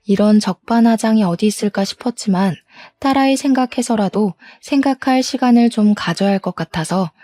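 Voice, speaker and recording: A woman's voice: medium pitch, a little fast, few pauses, warm tone, dry recording. A woman speaking as a wronged wife in a scripted story, indignant and reproachful. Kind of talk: scripted drama narration.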